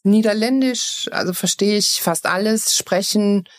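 A woman from Eupen, Belgium, with an East Belgian German accent, sits for a personal interview in Cologne, speaking in a mid-range voice at a measured pace. Frank and reflective, she keeps starting her sentences over.

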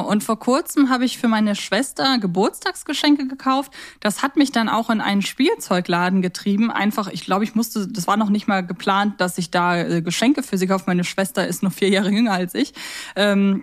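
A woman's voice: mid-range voice, normal speed. A woman co-hosting a podcast, chatting casually. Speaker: podcast co-host. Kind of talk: casual chat about audio drama episodes.

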